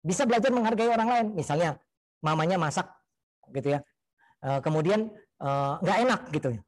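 Lively quick-talking priest. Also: male voice, on the high side, low-quality recording. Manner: lively, acts out parents and children in quoted voices. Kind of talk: homily on parenting.

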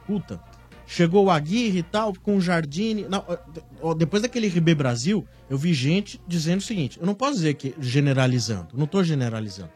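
A man, a regular panelist on a football talk show, arguing in an animated, emphatic way. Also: on the high side, fairly quick, husky, soft background music. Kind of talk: casual sports debate.

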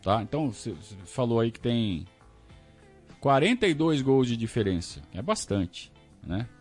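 A Brazilian man hosting a casual live stream, talking to his audience in an animated, ranting way. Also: medium pitch, a little slow, soft background music. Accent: Brazilian Portuguese. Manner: animated, talks to the audience, rants and self-questions. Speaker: podcast host reading superchats. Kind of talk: casual live-stream chat about football.

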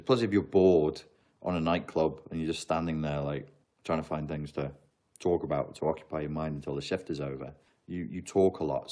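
A man's voice: rumbling low, a little mellow. A man, chatting casually on a live stream, answering viewer questions in a rambling, joking, self-mocking way.

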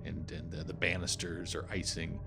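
A middle-aged man narrating an improvised tabletop game as game master, halting now and then to find his words. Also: sits low, level tone, vocal fry. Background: music.

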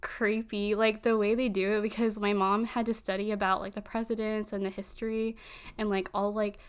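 A woman's voice: mid-range voice, little pitch movement, smooth. A woman in her early twenties, a native Filipino speaker who grew up in Virginia, rambling casually and filling her talk with "like". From Virginia, United States. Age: early 20s. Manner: rambling, fills every pause with "like". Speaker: conversation partner. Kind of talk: casual chat.

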